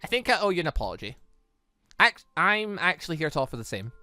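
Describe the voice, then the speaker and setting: Visual novel character, read by a game host: young man, conciliatory, hesitant, no backbone, bright tone. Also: medium pitch, sing-song, fast talker, dry recording, soft background music. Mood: apologetic. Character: apologetic, mild young man lacking backbone.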